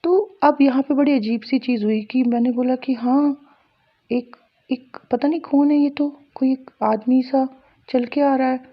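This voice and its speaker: Woman telling her own spooky true story, kinda high voice, earnest and repetitive, dull lo-fi sound. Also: steady tone, measured pace. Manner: earnest, repetitive, intense retelling. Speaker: spiritual storyteller. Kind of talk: personal story told to viewers.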